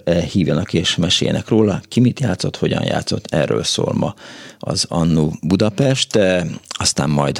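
A man's voice: low-pitched, creaky, darkish tone, slightly rough, dry recording, studio quality. A male radio host who rambles, with many hesitations, while he introduces a call-in show.

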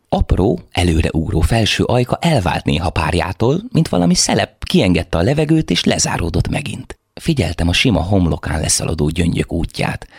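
A man reads a novel aloud in a very low, gravelly voice with a husky edge. His narration is measured, yet his pitch rises and falls in a lively way, and the recording is close and dry. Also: no echo. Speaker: actor reading aloud. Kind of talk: radio reading of a novel.

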